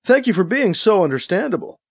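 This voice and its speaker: A man's voice: mid-range voice, sing-song, normal speed. A man voicing a suspicious, sarcastic male Catholic priest with a wary, sardonic, terse way of talking, in a science fiction audiobook. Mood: firm, sarcastic.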